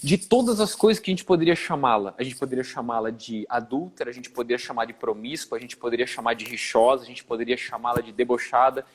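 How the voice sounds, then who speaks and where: A man on a live Bible discussion, telling the stories in a lively, slangy way and acting out the quoted dialogue. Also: mid-range voice, fast, few pauses, a little hiss or hum. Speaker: guest Bible teacher.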